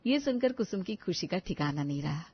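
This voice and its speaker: A woman narrating an animated story in an even, scripted way. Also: lowish voice, a little fast, husky, highs cut off.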